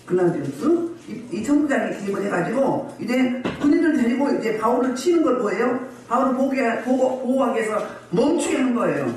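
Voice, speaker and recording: A woman's voice: fairly high pitch, big pitch swings, a little fast, hardly any pauses, darkish tone, a little hiss or hum. A woman pastor preaching a sermon at a healing service. She scolds the congregation and keeps firing rhetorical questions at them. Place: church hall. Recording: very echoey hall, voice far from mic.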